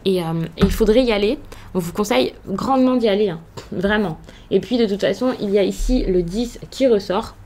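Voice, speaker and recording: A woman's voice: mid-range voice, a little fast, darkish tone. French woman reading tarot cards for her viewers, lots of ums and restarts, reassuring. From France. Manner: hesitant, many fillers and restarts, reassuring. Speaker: tarot card reader. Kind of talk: casual tarot reading to camera.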